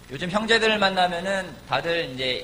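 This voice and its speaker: Noticeable background noise runs under the speech. The room echo is audible. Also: man. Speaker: pastor. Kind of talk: sermon. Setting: church.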